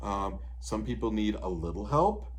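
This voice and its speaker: A man in his fifties, a disability advocate, explaining plans and supports in a relaxed interview, with frequent "you know" asides. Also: fairly low pitch, normal speed, slight background noise. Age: 50s. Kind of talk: conversational interview advice.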